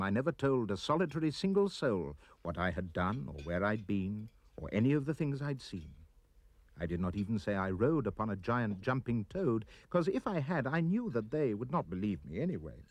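A man reading a rhyming children's poem aloud as an expressive storyteller. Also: dry recording. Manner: expressive storyteller, swooping pitch. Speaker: reader.

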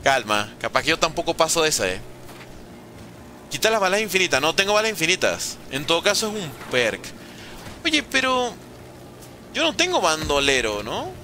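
A man with a Venezuelan accent and a very bright, sharp voice. His pitch is a bit high and jumps all over as he streams a game live. He chats with viewers and reacts quickly. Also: a little hiss or hum. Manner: lively, banters with chat, talks fast in bursts. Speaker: gaming streamer. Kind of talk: live gameplay commentary reading chat.

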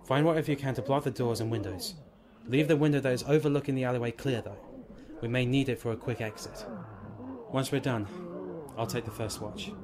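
A man playing a no-nonsense army lance corporal in an audio drama, giving brisk orders. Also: medium pitch, a crowd in the background, close to an everyday voice. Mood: commanding. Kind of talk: amateur audio drama acting. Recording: noisy background ambience.

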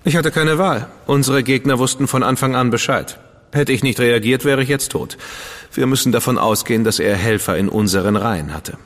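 An actor playing a confident, skeptical Victorian gentleman agent who asks pointed questions. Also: medium pitch, a little fast, long reverb tail, close to an everyday voice. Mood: defensive. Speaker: agent of the crown. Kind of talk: studio radio drama acting.

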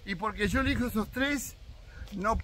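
A man's voice: high-pitched, normal speed, pushed and bright, slight background noise. A man in his sixties with an Argentine accent, giving his opinions straight to viewers in a casual fishing vlog, speaking outdoors on his land. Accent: Argentine Spanish. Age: 60s. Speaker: fishing vlogger.

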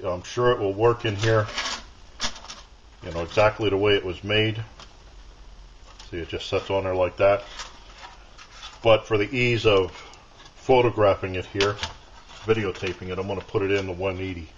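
A man giving a casual hands-on demonstration at a workshop bench, explaining each step in a plain, unhurried way. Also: low voice, fairly even intonation, a little hiss or hum. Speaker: outdoor gear video maker. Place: workbench in a home workshop. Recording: dull lo-fi camera audio.

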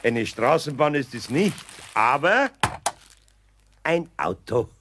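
An actor in his sixties playing a kindly, patient old carpenter in a children's audio play, gruff and amused. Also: mid-range voice, sing-song, takes it slowly, noisy background. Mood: playful.

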